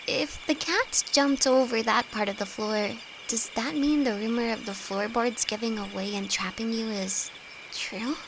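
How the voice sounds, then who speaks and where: Timid, slow-spoken young alchemist girl, played by a woman, over crickets. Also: fairly high pitch, vocal fry, noisy background. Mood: anxious, reluctant. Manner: nervous, hesitant, stammering. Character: timid, easily frightened young female apprentice alchemist, affectionate best friend. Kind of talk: fantasy roleplay audio drama, intimate one-sided dialogue. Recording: night cricket and insect ambience throughout. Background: crickets and forest ambience.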